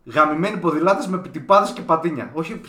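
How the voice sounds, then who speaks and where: A man co-hosting a podcast, reading out listener messages with loud, crude, jokey banter. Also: on the high side, animated. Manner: loud, swearing, laughing, jokey. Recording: echoey room.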